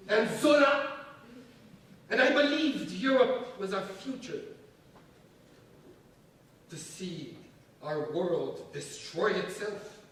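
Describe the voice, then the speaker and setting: A man in a staged reading playing a domineering, menacing secularist strongman, emphatic and theatrical, with deliberate pauses. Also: very high voice, a bit bright, recorded from a distance, heavily acted. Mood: impassioned. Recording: echoey stage from afar, faint noise.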